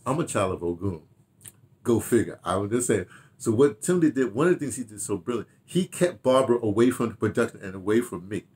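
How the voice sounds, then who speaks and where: An American man in his seventies reminiscing casually to camera in an animated, rambling way, with repeated phrases and asides. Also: lowish voice, fast. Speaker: audio dramatist and theater director telling his memoirs. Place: small home study, indoors.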